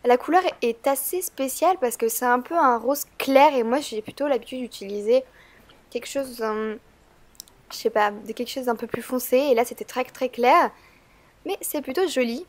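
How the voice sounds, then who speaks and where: Stuffy-voiced woman with a fairly high pitch. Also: moderate pace. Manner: chatty and hesitant, frequent "euh" fillers. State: stuffy-nosed from a cold. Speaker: beauty vlogger. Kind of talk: makeup tutorial vlog.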